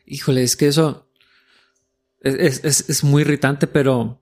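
Gravelly man, halting and searching. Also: mid-range voice, steady tone, a little mellow. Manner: searching, halting, many restarts. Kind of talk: casual faith discussion.

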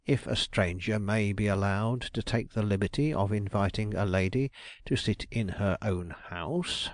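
A shrewd detective draws out his questions slowly and suavely, as a man reads him, every word deliberate and courteous. The voice sits in a middle range and is recorded close and dry, like a storybook character. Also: lowish voice, dry recording, close to an everyday voice.

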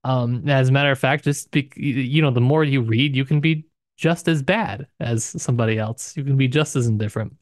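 A man's voice: medium pitch, fairly quick, dry recording, clean studio sound. A man co-hosting a literary podcast in casual discussion, thinking aloud and rephrasing as he goes. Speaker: podcast co-host.

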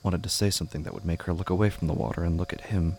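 A man reading scripted, literary narration for a horror audio drama in a measured, brooding way. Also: deep voice, fairly even intonation, vocal fry, darkish tone, slight background noise.

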